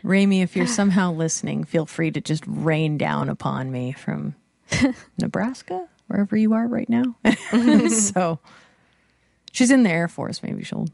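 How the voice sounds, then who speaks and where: Low, gravelly young woman chatting. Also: measured pace, a little mellow, no room sound, studio quality. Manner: rambling, self-deprecating, frequent fillers. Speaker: podcast co-host. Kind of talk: casual chat about comics.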